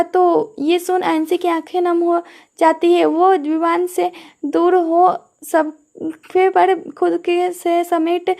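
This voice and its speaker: A woman storyteller narrating an audio story in a steady, even reading. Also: very high voice, creaky.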